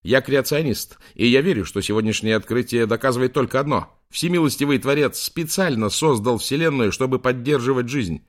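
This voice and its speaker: A man's voice: mid-range voice, normal speed, hardly any pauses, voice pushed up, natural voice. A man voicing an earnest young man on the street declaring his creationist faith.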